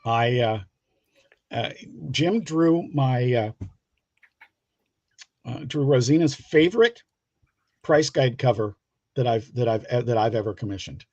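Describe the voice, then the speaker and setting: A middle-aged man from the Pittsburgh area in the United States, chatting casually as a guest and telling rambling, halting anecdotes. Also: medium pitch, expressive, darkish tone. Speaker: guest comic book creator. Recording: dull lo-fi, roomy call audio.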